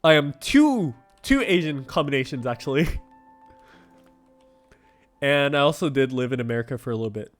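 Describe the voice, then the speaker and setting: A man's voice: mid-range voice, normal speed, long pauses, soft background music. A young man chatting casually with viewers on a game livestream, laughing often and filling his talk with "like". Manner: animated, laughs often, heavy use of "like". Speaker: game streamer.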